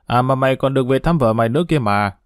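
A man's voice: mid-range voice, quick pace, clean tone, no echo, clean studio sound, natural voice. Man reading as a cruel, barking camp commander. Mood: mocking. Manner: loud, barking.

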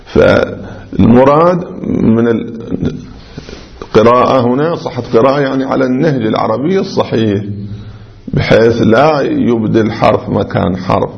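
Gravelly male seminary teacher. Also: mid-range voice, normal speed. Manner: explains step by step, repeating examples and sounding out letters. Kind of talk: religious jurisprudence lecture. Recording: dull lo-fi recording.

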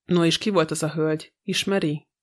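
A man reading an audiobook, voicing a stern, impatient male magistrate who questions briskly. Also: fairly high pitch, fairly even intonation, close to an everyday voice. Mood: questioning.

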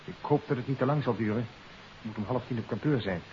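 An actor playing an evasive, nervous suspect in a 1950s radio drama, defensive and indignant. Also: male voice, mid-range voice, quick pace, a little mellow, lightly acted. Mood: guarded. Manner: defensive, agitated. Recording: muffled 1950s radio recording with hiss.

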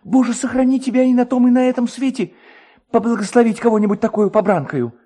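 Man acting an excitable high-pitched village distiller. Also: fast. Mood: alarmed. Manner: anxious, pleading, garrulous.

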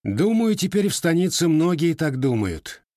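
A proud, sharp-tongued young armorer, as a man reads him in a storybook. He speaks in a dry, curt way, a little above the narrator's pitch, recorded close and dry. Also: big pitch swings, moderate pace, dry recording. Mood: calm.

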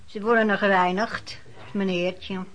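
A woman's voice: medium pitch, fairly even intonation, a little slow, a bit bright, close to an everyday voice, rough recording. An actress playing a matter-of-fact lodging-house woman in a Dutch radio play.

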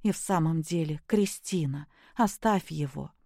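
A woman voicing a gentle young woman who speaks quietly and persuasively. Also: medium pitch, animated, moderate pace, dry recording, studio quality, close to an everyday voice.

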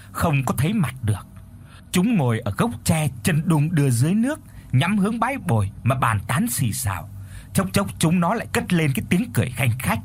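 A man voicing a hoarse, grovelling coucal bird in a told story. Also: fairly high pitch. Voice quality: raspy, hoarse. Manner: grovelling, begging.

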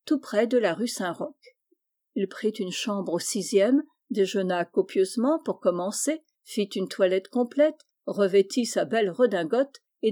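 A woman narrating a classic children's novel as an audiobook, with steady, measured reading. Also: medium pitch. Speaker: audiobook reader. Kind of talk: scripted narration.

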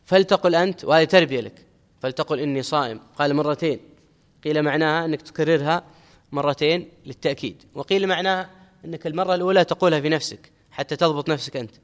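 A middle-aged man teaching an Islamic religious lesson, explaining a text and quoting scripture, with measured teaching and key phrases repeated for emphasis. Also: a little high. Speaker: Islamic scholar teaching hadith commentary. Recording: long hall reverb.

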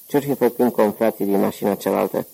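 A man's voice: lowish voice, vocal fry, dark tone, low-quality recording. A man doing a lazy, sardonic gangster.

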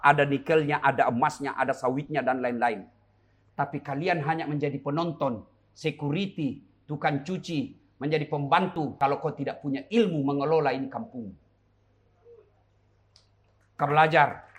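A man's voice: a little high, pushed and bright. A middle-aged man, preaching a humorous sermon to young people with joking asides and rhetorical questions.

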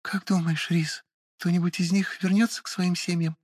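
A man putting on a high gentle young noblewoman. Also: flat delivery, normal speed, no room sound, clean studio sound. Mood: wistful. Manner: soft, earnest, kind. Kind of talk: audiobook character voice.

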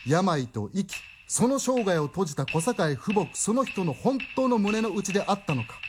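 A man's voice: sits high, noisy background. A man narrating a radio drama in a formal, traditional storyteller's phrasing.

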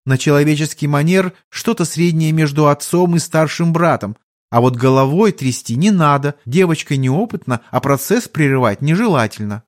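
A man's voice: on the high side, animated, moderate pace, close to an everyday voice. A man voicing a proud white-haired young serpent woman who speaks insistently, in a lecturing way. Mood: explaining.

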